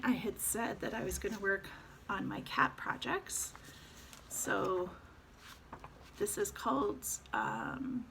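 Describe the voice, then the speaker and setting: A woman talks through her stitching projects in a relaxed, rambling way, full of little fillers. Her voice has a gravelly fry at the edges, and a faint hiss sits under the recording. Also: on the high side. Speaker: cross-stitch vlogger. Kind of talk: casual show-and-tell chat.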